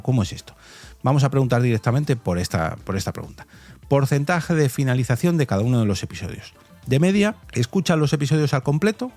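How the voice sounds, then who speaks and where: This podcast host is a Spanish man with a Spanish accent and a medium-pitched, slightly mellow voice. He comments conversationally on survey results, speaking directly to listeners and posing rhetorical questions.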